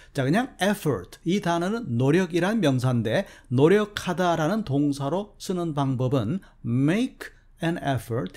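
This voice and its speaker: A male English teacher walks through vocabulary in Korean with a lively, up-and-down delivery on a fairly high voice. He slows right down to read English example sentences aloud. Then he explains them in a steady classroom manner. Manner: explains slowly, reads English example sentences carefully, often starts with "자".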